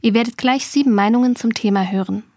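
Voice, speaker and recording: A woman's voice: on the high side, fast, dark tone, dry recording, clean studio sound. A woman hosting a photography news podcast, reading a scripted segment intro in an earnest tone that addresses the listeners directly. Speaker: podcast host.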